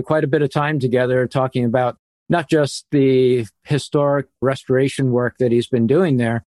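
A man's voice: mid-range voice, darkish tone, no room sound. Earnest man explaining, dry sound. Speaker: interview guest, urban planning author. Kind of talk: conversational interview.

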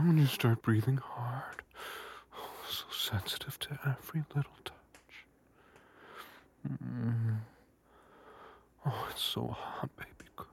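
A man whispering a slow, coaxing intimate audio roleplay in a soft, breathy voice. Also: mid-range voice.

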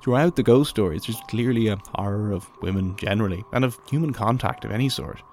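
A man hosting a podcast, reading scripted documentary narration in a measured storytelling way. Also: on the low side, darkish tone, a little hiss or hum.

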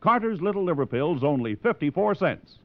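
A man's voice: on the high side, very animated, moderate pace. A man reading scripted 1950s radio advertising as a commercial announcer. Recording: dull 1950s radio recording.

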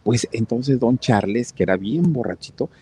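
A man's voice: mid-range voice, expressive, moderate pace, warm tone, husky. A man with a Mexican accent telling a story casually and talking straight to his listeners, with lots of fillers. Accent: Mexican Spanish. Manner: chatty, talks straight to the listeners, many fillers. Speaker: channel storyteller.

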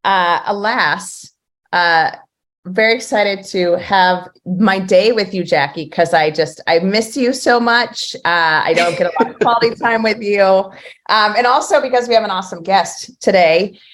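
This is a woman of middle pitch co-hosting a podcast in a loose, chatty way. She fills her sentences with ums and little laughs. Her tone stays friendly and informal. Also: measured pace, a bit bright. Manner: chatty, many fillers and laughs. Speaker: podcast co-host. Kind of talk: casual podcast chat.

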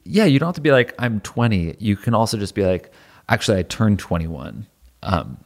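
A man's voice: fairly low pitch, expressive, brisk. A man co-hosting a podcast, trading casual comedic banter. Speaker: podcast co-host.

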